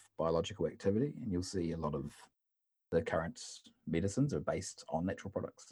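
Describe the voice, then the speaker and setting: A man with a New Zealand accent talks at a very fast pace in a very deep, low voice with ordinary pitch variation. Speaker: organic chemist, university lecturer. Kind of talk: interview.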